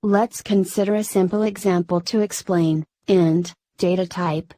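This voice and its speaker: A woman narrating a programming tutorial in a flat, synthetic-sounding scripted delivery. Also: lowish voice, a little slow, dry recording.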